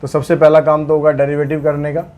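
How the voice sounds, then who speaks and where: A man's voice: a little high, completely flat delivery, fast talker, darkish tone. A male math teacher giving a casual blackboard lesson, teasing his students and stepping through the working one step at a time.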